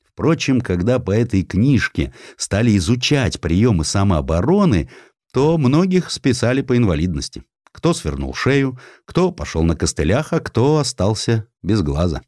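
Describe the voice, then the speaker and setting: A man narrating a satirical historical story in an expressive, theatrical, ironic manner. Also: fairly low pitch, no echo, clean studio sound. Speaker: audiobook narrator.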